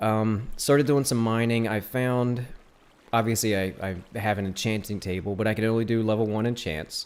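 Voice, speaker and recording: Using a plain, everyday voice, a man speaks at a moderate pace with fairly even intonation. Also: medium pitch for a man. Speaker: let's play gamer. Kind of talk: video game commentary. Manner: casual, rambling.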